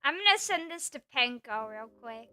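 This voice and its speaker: Woman streamer, high and bright, playful rambling chat over soft background music. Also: lively intonation, normal speed, clean tone. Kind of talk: casual chat reading stream chat.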